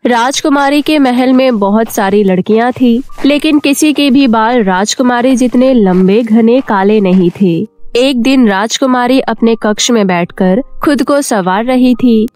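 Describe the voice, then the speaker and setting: A woman's voice: on the high side, measured pace, darkish tone. A woman storyteller reading a scripted children's fairy tale narration. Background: faint music.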